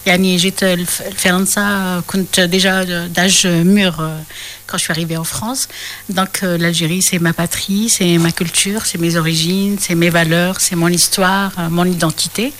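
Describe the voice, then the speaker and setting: A woman in her fifties with an Algerian accent speaks as a radio guest, her low voice racing along. She halts often on filler pauses. A faint hum sits behind her. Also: flat delivery, a bit bright. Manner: hesitant, many filler pauses, rapid bursts. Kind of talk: casual radio conversation.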